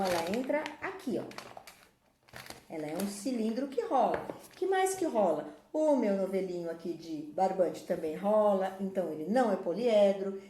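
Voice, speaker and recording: Woman, teacher, patient explanations for children, mellow voice, echoey room. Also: mid-range voice, slight background noise. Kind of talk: classroom video lesson.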